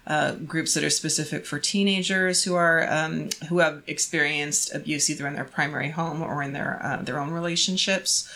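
A woman's voice: low voice, fairly even intonation, normal speed, hardly any pauses, sharp tone. A woman speaking as an agency representative, explaining services in an interview.

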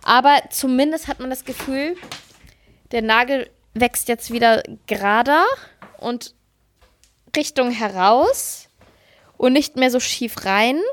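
A woman co-hosting a podcast, chatting casually and telling stories in a lively, self-mocking way. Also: a little high, slow, long pauses. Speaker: podcast co-host. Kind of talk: casual chat.

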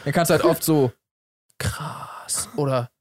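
Relaxed young man, casual chat. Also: medium pitch, a little fast, dry recording. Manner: relaxed, explains rules, joking. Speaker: podcast co-host.

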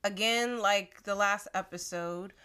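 A woman's voice: medium pitch, measured pace, sharp tone, clean tone. A woman co-hosting a casual podcast, frank and teasing, who laughs often as she talks. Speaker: podcast co-host. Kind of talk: casual conversational podcast chat.

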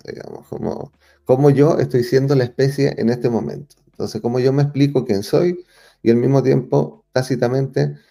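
A man from Chile with a Chilean accent, talking as an interview guest in a thoughtful way, often pausing and restarting as he searches for words. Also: medium pitch, gravelly, dark tone. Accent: Chilean Spanish. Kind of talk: reflective conversational interview.

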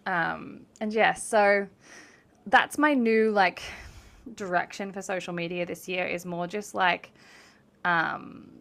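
A woman's voice: fairly low pitch, fairly even intonation, slow pace, creaky, a bit bright. A woman, co-hosting a podcast in a rambling, chatty way and laughing often. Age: late 20s. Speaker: podcast co-host, developmental psychology academic. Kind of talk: casual chat.

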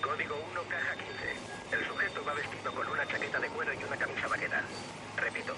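A man's voice: fairly high pitch, fast talker, very noisy. An actor dubbing a male security dispatcher speaking over a two-way radio in clipped codes and repeats.

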